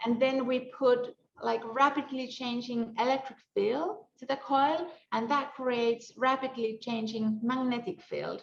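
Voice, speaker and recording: Her pitch high and varying in an ordinary way, a woman with a non-native accent speaks at a fairly slow pace. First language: not English. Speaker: neuroscience professor. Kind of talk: interview. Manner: casual, many fillers.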